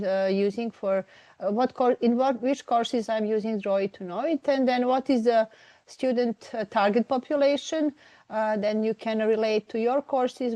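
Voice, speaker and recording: Serbian-accented woman, halting academic talk. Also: a little high, dark tone, no echo. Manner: halting, many fillers and restarts. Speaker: professor. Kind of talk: academic webinar presentation.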